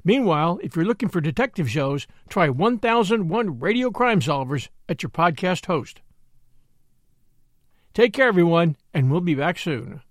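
A man speaks to listeners as a podcast host. His voice is high for a man and swings widely in pitch, recorded dry with no room sound. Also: sing-song, moderate pace, no echo.

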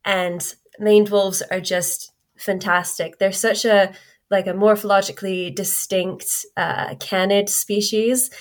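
A Scottish woman in her twenties, her accent tinged with American, answering interview questions as a researcher, thoughtful and pausing often. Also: mid-range voice, flat delivery. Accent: Scottish with some American influence. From Scotland. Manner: thoughtful, with frequent hesitations. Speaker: guest, wildlife researcher. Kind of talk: casual interview chat.

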